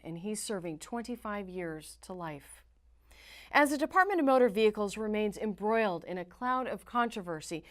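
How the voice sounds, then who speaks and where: American woman reading the news. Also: medium pitch. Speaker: news reporter and anchor. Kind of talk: scripted news narration.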